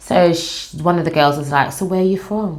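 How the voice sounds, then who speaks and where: A woman speaks at a fairly quick pace with a fairly low pitch and ordinary pitch variation. Noticeable background noise and audible room echo surround her voice. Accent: London. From London. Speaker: vlogger. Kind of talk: casual storytime monologue.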